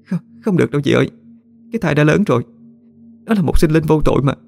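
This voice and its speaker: Guy doing a scared young pregnant woman, high raspy voice, fast and begging. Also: animated, dark tone, faint music behind. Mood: pleading. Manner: pleading, panicked, tearful.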